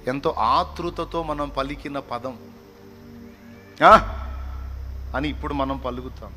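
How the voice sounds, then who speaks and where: A man preaching a fervent, scolding sermon, breaking into slow hymn singing. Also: mid-range voice, bright, forceful tone, faint music behind. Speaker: pastor.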